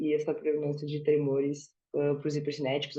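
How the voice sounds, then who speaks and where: Fairly quick in pace, a woman talks in a dark, mellow tone. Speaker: graduate student presenting a paper. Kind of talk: academic group meeting discussion. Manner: halting, many fillers.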